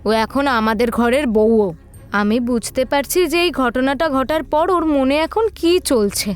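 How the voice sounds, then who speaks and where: A woman playing a composed, authoritative mother-in-law, measured and firm, in an audio drama. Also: high-pitched.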